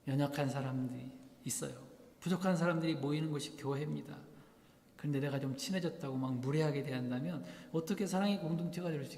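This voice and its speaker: A male pastor preaching in a church sanctuary, his voice sitting a little high for a man. He keeps putting rhetorical questions to the congregation and acts out the lines he quotes. A long hall reverb trails after each phrase. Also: a little mellow. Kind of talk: sermon.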